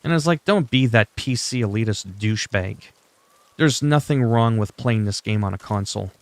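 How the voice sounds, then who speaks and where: A man's voice: lowish voice, moderate pace, no room sound. Chatty French-native male gaming streamer. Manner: chatty, opinionated, talks to chat. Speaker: gaming livestreamer. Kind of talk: casual livestream chat while playing.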